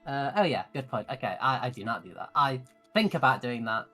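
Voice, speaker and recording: A man's voice: mid-range voice, lively intonation, brisk, sharp tone, soft background music. A man chatting casually as a tabletop game player, stammering and repeating words as he works things out.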